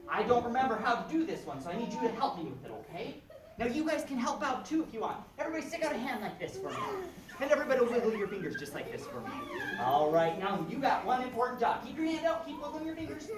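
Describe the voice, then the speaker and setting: A high-pitched woman works as a kids party magician, guiding children through tricks with questions and countdowns. Her delivery swings widely in pitch. She is heard in an echoey room over a loud crowd. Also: distant mic. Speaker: magician hosting a children's show. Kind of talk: kids party magician patter, interactive with audience. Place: large indoor room at a public library. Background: loud crowd of children and adults.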